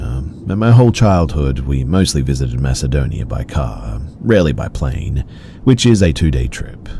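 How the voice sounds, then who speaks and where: A man narrating first-person horror stories in a slow, measured, somber way. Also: a bass voice, gravelly, warm tone, a little hiss or hum.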